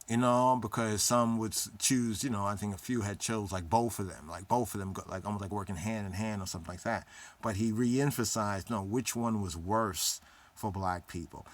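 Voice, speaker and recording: A man hosting a podcast, talking in a loose, rambling way with many fillers and restated phrases. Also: on the low side. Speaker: podcast host. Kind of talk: casual spoken commentary.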